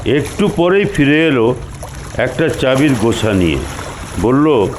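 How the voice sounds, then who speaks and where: A man's voice: medium pitch, very animated, takes it slowly, a little hiss or hum, poor audio. A man narrating a story expressively as the storyteller.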